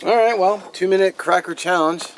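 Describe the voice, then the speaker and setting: A man's voice: high-pitched, brisk, background noise. A man hosting a challenge video, chatting casually to viewers. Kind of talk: casual vlog chat. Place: outdoors.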